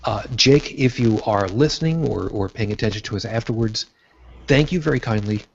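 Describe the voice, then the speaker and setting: A man's voice: fairly low pitch, normal speed, creaky, dull audio, a little hiss or hum. A man from Brooklyn, hosting a casual podcast in a blunt, profane way. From Brooklyn, New York. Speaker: host.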